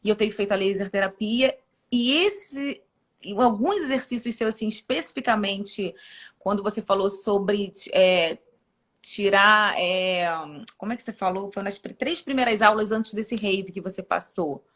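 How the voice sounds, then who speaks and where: A woman's voice: medium pitch, fairly bright tone. A woman from Brazil, a speech therapist, eagerly telling about her patients in a casual chat. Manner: enthusiastic, fast storytelling with fillers.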